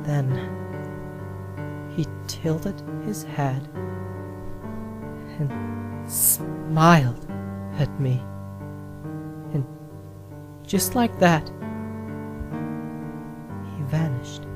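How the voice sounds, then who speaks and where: A woman narrating a first-person scary story in a dramatic, deliberate manner with suspenseful pauses. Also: sits low. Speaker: horror story reader. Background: background music.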